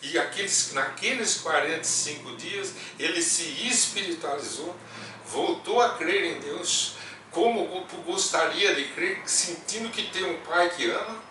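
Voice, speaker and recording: A man's voice: on the high side, expressive, distant mic, a little hiss or hum. Earnest man in echoey room. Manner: gentle, earnest, slows on key words. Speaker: Spiritist speaker. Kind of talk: reflective storytelling talk.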